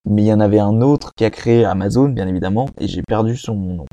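A man's voice: lowish voice, fast talker, mellow, no echo. A young man hosting a casual self-help monologue, talking in a rambling, slangy way with many restarts. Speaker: podcast host.

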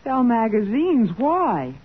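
A pert young sidekick, lively and swooping, complaining in plucky radio-drama style. The old broadcast sound is narrow and faintly noisy. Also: female voice, a little high, slow. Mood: puzzled, pert. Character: pert young woman, detective's puzzled, plucky assistant. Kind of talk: 1940s radio drama acting.

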